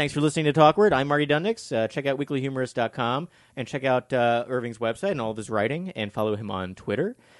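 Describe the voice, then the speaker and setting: A man at a fairly quick pace, medium in pitch, with ordinary pitch variation, an ordinary speaking voice and a dry, close sound with no echo. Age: 40s. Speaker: podcast host, humor magazine editor. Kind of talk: casual interview chat.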